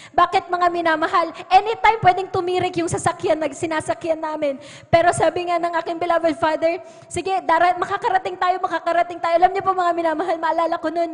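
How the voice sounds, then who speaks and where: A woman with a Filipino accent gives an earnest testimony from the pulpit of a church hall. Her voice sits very high, and she keeps addressing the congregation as beloved. The livestream carries the hall's long reverb around her. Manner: earnest, repeats "mga minamahal" as address. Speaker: church worker giving testimony. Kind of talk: testimony at Sunday worship. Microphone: pulpit microphone.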